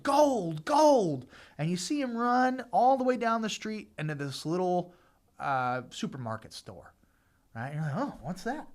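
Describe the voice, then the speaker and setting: A man hosting a finance podcast, explaining in a conversational way, repeating points for emphasis, with frequent fillers. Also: on the high side. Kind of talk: casual explainer talk.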